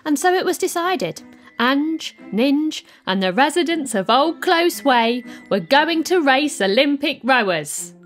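A woman's voice: high-pitched, big pitch swings, a little slow, soft background music. A woman playing a wry cartoon storyteller, narrating with comic mock drama. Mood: mock-dramatic.

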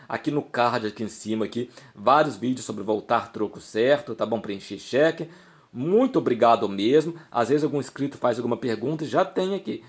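Brazilian man explaining in an informal lesson. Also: medium pitch. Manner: repetitive, emphatic explaining with frequent check-in tags. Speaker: small-business advice video host. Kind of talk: informal instructional talk to camera, explaining with examples.

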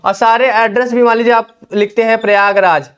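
A man's voice: very high voice, steady tone, fairly quick, fairly bright tone, clear, resonant tone. A young man coaching exam candidates at a whiteboard, giving instructions and often checking in with "theek hai". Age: young adult. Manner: instructive, repeats "ठीक है" often. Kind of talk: whiteboard lesson. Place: indoor classroom at a whiteboard. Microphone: lapel mic.

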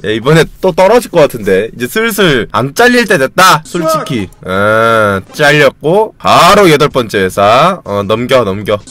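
Excitable young man yelling at a game. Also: normal speed, hardly any pauses. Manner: excitable, yells and swears at the game; reads game text aloud in a flat lower voice. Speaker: game streamer. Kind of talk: casual gameplay commentary.

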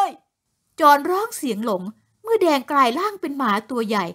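Woman storyteller, horror narration, high and expressive voice.

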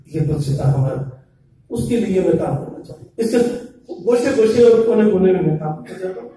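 A middle-aged man delivers an emphatic, ornate political speech at a press conference, his voice pitched high yet dark in tone. He speaks into a handheld microphone, but the very echoey hall and the distance from the camera make him sound far off, with a faint murmur behind. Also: slight background noise. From India. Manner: emphatic, fervent, Urdu-flavored oratory. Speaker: party leader at a press conference. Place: crowded indoor hall, people standing around. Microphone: handheld microphone, filmed by far camera.

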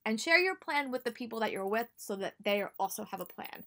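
A woman's voice: on the high side, lively intonation, brisk, pushed and bright. A young American woman giving casual, chatty advice to camera in a small room at home, speaking emphatically and repeating words for stress. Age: young adult. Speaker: book vlogger.

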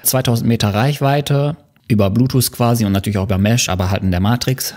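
A man hosting his own channel, giving a relaxed, casual product review with plenty of fillers. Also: medium pitch, fast talker. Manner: relaxed, explanatory, with many fillers. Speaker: channel host reviewing motorcycle intercoms.

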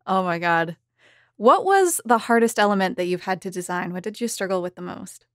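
A woman's voice: medium pitch, expressive, brisk, no room sound. Woman hosting casually, dry close sound. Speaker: host, moderator. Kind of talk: casual chat, reading out questions.

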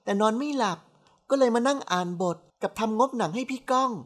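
A woman's voice: a little high, a little fast, pitched above the performer's own voice, lightly acted. Woman voicing a cheeky young niece. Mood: teasing. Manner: bright, coaxing and sassy.

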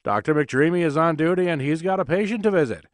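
A man works as announcer, reading a scripted sketch introduction. His voice sits fairly high and the recording is dry, with no room sound. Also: lively intonation, quick pace, dry recording.

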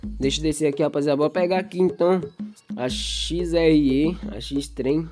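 A man's voice: on the high side, moderate pace. A young Brazilian man with a Brazilian Portuguese accent casually narrating his gameplay, rambling in street slang and hyping up his viewers. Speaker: gaming YouTuber. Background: game music.

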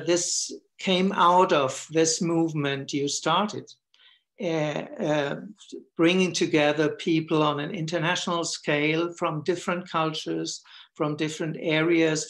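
A middle-aged man on a headset video call from a room at home, speaking haltingly with many fillers. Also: a little high, a bit bright. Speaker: panelist.

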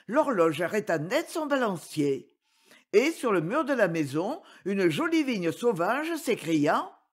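Woman audiobook reader, gentle storybook narration, unhurried and melodic. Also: mid-range voice. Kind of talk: storybook reading for children.

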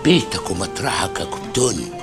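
An actress playing a teasing companion who makes dry remarks, with an Egyptian Arabic accent. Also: female voice, a bass voice, sing-song, a little fast. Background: film score music.

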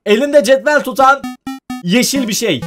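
High, lively young Turkish gamer man. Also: normal speed, faint music behind. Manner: jumpy, talks to viewers, yelps when scared. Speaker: gaming YouTuber. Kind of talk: casual let's-play commentary.

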